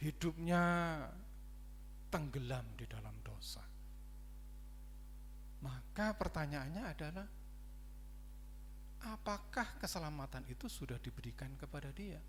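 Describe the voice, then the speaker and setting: A man from Indonesia, a pastor preaching a sermon in a church, swinging between loud emphatic lines and quiet ones, calling for an amen. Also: a little high, expressive, unhurried, long pauses, a little hiss or hum. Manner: preaching with rising and dropping emphasis, calls for amen. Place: church sanctuary.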